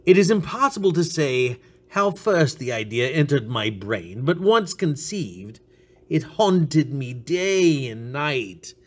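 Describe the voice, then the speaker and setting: A man's voice: a little high, sing-song, takes it slowly, full character voice. A man voicing a sly, unhinged male murderer who narrates his crime with theatrical menace, sudden whispers and outbursts. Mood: menacing. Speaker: reader. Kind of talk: dramatic reading.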